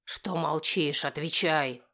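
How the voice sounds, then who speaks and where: A woman voicing an enraged middle-aged husband who snarls harsh, cursing retorts in her own low voice. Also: takes it slowly, bright, forceful tone, full character voice. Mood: snarling. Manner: harsh, snarling through teeth.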